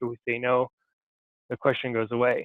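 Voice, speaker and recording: A man is talking. His voice sits at a medium pitch. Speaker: government scientist presenting data tools. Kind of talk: webinar presentation with Q&A. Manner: fast.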